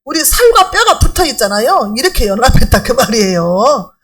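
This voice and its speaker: A woman's voice: a little high, sing-song, fairly quick, fairly bright tone. A middle-aged woman pastor preaching a sermon in an emphatic, conversational way, asking rhetorical questions.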